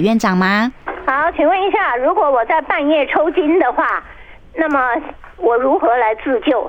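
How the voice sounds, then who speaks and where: A woman's voice with very wide pitch swings, plus noticeable background noise. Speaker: substitute radio health show host. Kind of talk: radio health interview.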